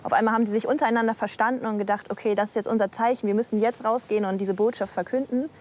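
A woman's voice: on the high side, steady tone, racing, darkish tone. A woman in her thirties, a pastor, talking openly and reflectively in an interview. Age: 30s. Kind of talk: casual interview talk.

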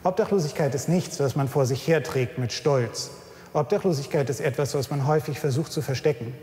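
A man speaks earnestly and seriously, at an everyday pitch. His voice rings with a long echo, as if in a large hall, and seems to come from some distance. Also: fairly quick, a little mellow. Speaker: social worker. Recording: echoey hall from far off.

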